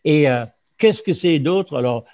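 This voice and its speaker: A man from Germany whose first language is German, giving an informal talk with many pauses and restarts. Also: fairly high pitch, animated, a little mellow. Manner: halting, many fillers and restarts. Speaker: speaker on fasting. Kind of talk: informal lecture to an audience. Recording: dull lo-fi sound.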